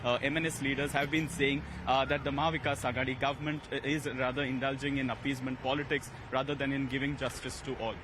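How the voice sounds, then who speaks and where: A male field reporter delivers a live report at a quick pace in a mid-range voice. City street and traffic noise is clearly audible around him. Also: medium pitch, level tone. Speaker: news reporter.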